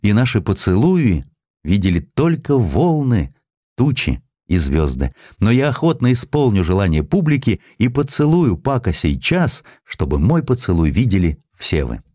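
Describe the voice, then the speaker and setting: A man's voice: fairly low pitch, sing-song, normal speed, a little mellow, no room sound, studio quality. A man voicing a proud, passionate female opera diva in a declamatory, theatrical audiobook style. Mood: tender, playful. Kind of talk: audiobook character acting.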